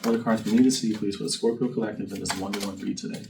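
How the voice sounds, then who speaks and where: A man's voice: on the low side, flat delivery, racing, creaky. A man hosting a casual tarot reading, talking to the viewer in a conversational, reflective way. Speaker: tarot card reader and channel host. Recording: distant mic with faint background noise.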